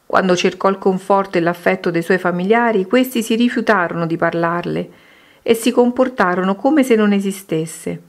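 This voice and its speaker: A woman reading a Christian devotional book aloud in a steady, measured way. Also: mid-range voice. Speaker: reader.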